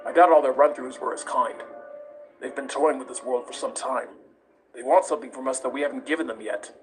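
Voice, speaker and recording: A man's voice: mid-range voice, steady tone, lightly acted. Man acting a grave, intense scientist over music. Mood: grave, suspicious. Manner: formal, measured, intense. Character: grave, obsessive male scientist, driven and proud. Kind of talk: dramatic comic dub acting. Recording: music playing under the dub.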